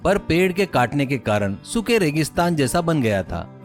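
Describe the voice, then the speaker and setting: An Indian man reads a scripted cartoon moral story. His voice sits fairly high and moves animatedly up and down. Faint music plays behind him. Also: sing-song, normal speed. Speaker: story narrator.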